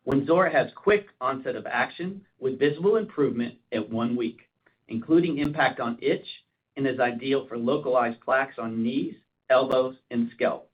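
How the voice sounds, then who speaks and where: A man's voice: medium pitch, normal speed. A man, a senior executive, reading a scripted commercial update for an earnings call in a formal, businesslike way. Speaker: chief operating officer. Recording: narrowband phone conference line.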